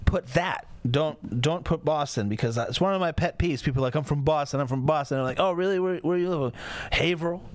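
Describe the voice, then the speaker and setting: Animated man, slightly high voice. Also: fairly quick. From Massachusetts. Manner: animated, acts out quoted exchanges. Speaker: podcast co-host, rapper. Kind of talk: casual podcast chat.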